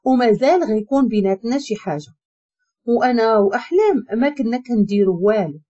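A woman's voice: on the high side, lively intonation, fairly quick, dark tone. A woman voicing a possessive, stubborn young husband, with a Moroccan accent and a curt, commanding way of speaking. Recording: dull lo-fi recording.

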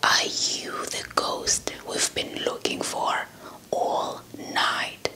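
A young adult woman from South Africa telling a folktale as ASMR in a breathy whisper, repeating words and phrases close to the microphone. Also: extremely slow, bright, forceful tone. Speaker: ASMR storyteller. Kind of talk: whispered ASMR folktale storytelling with playful roleplay. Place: small indoor setup before a cloth backdrop. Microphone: handheld microphone with fluffy windscreen, held close.

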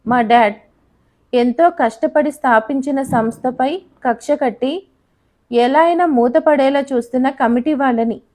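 A woman's voice: high voice, a little slow. A woman voicing a defiant young heiress. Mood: pleading. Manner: pleading, then sharp and indignant.

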